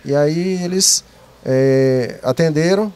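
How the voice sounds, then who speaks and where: Cop guy being interviewed, formal wording, fairly high voice, masked, handheld mic. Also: slow pace, darkish tone, clear, resonant tone. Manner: formal police wording, frequent tag questions. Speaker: military police officer being interviewed. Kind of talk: interview account of an incident. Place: night, sheltered entrance outside a police station. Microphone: handheld mic, speaking through a cloth mask.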